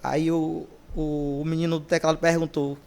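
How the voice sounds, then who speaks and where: A man with a fairly high voice for his sex tells stories as a guest on a podcast, speaking casually and conversationally. He brings his anecdotes to life by acting out the voices of the people he quotes. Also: normal speed, vocal fry. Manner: lively storyteller who acts out quoted voices. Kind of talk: casual storytelling interview.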